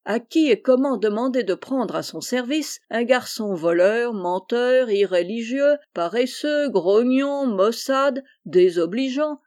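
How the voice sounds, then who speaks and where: A woman voicing a kindly, jovial middle-aged man who teases gently in an audiobook reading. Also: a little high. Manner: jovial, warm-hearted.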